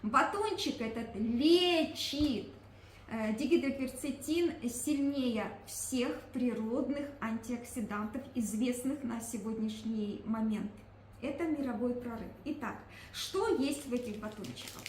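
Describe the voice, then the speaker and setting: A woman's voice: fairly high pitch, measured pace. A woman giving a product presentation, explaining emphatically and often asking questions that she answers herself. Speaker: presenter promoting a nutrition product. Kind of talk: product presentation talk to a group. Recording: echoey room with faint background noise.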